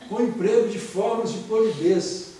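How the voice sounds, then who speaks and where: A man's voice: sits high, moderate pace, a little hiss or hum. Brazilian guy teaching grammar, acts out quotes, heard from far off in an echoey room. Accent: Brazilian Portuguese. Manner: jokey, acts out quotes in lively voices. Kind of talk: classroom lecture with anecdotes.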